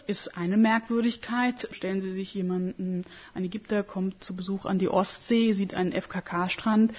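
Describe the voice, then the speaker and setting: A woman in her thirties speaks in a radio interview with thoughtful, emphatic answers and small hesitations. Her voice has a medium pitch, and the recording sounds slightly dull. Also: slightly rough. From Germany. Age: 30s. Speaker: interviewed scholar.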